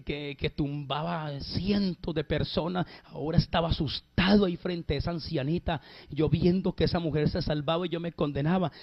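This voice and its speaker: A man preaching a personal testimony in an emphatic way, stretching out key phrases and calling his listeners brother. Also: on the high side. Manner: emphatic, drawn-out phrases addressed to "hermano". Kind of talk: sermon testimony. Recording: dull lo-fi recording.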